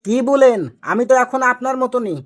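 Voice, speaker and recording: A man's voice: very high voice, normal speed. Cheeky young son-in-law played by a man, Rajshahi Bengali accent, cocky and argumentative, for village cartoon comedy. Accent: Rajshahi Bangladeshi Bengali. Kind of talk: amateur cartoon comedy dialogue.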